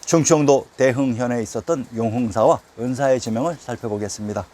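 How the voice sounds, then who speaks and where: A man in steady scripted narration of a history lecture, reading out each place name as a heading before explaining it. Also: mid-range voice, fairly quick.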